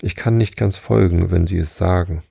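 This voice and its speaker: A man's voice: sits low, normal speed, creaky, mellow, breathy edge, no echo, studio quality, exaggerated voice. Man reading as polite puzzled young girl. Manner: polite, slightly irritated. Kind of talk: storybook reading.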